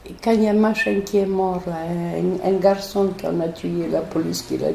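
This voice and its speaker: Woman with a foreign accent, gravelly voice, dark tone, hesitant restarts, roomy echo. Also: on the low side, normal speed, a little hiss or hum. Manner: animated, hesitant storytelling with restarts. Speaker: interviewee, neighbourhood resident. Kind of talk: telling a personal story.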